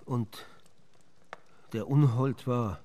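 An actor playing a curious gentleman friend in a radio drama, with a conversational delivery. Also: medium pitch, steady tone, drawn-out words, a little hiss or hum. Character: curious gentleman friend chatting over port. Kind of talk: German radio play acting.

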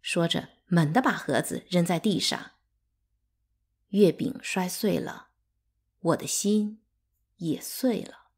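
A woman narrating a novel as a calm bedtime audiobook, in an even, unhurried way. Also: lowish voice, husky. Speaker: audiobook reader.

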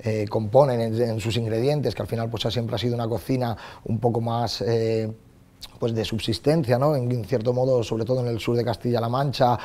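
Man, chef, flat even delivery, mellow voice. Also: medium pitch, moderate pace. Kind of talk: interview talk.

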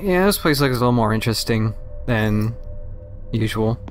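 A man's voice: mid-range voice, animated, normal speed. Man casually commenting over game music. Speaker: let's play co-commentator. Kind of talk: casual chat over gameplay.

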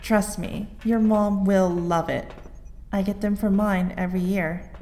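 A woman's voice: medium pitch, flat delivery, unhurried, dark tone, a little hiss or hum, close to an everyday voice. Woman as practical teenage girl hero, casual. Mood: casual, kind.

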